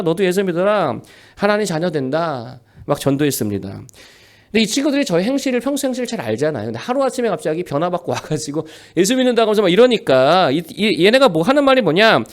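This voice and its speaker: A man in his forties preaching a sermon as a pastor, emphatic and animated, asking rhetorical questions. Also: sits high, fast talker.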